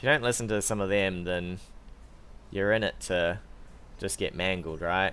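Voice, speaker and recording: With a bright, sharp tone and a fairly low pitch, a man talks at a moderate pace with ordinary pitch variation. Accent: New Zealand. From New Zealand. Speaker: video game streamer. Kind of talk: live gameplay commentary. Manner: casual, thinking aloud.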